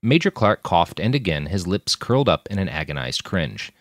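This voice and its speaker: A man narrating a story in scripted audiobook style, his voice low but moving widely in pitch. The sound is close and dry, with no room around it. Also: big pitch swings, moderate pace, no echo.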